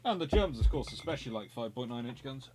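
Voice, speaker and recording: A man's voice: medium pitch, expressive, quick pace, a little mellow. A man with a Surrey English accent chatting casually and joking while he plays a naval strategy game live. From England. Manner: chatty, jokey, thinking aloud with restarts. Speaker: game streamer, host. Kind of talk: casual live gameplay commentary.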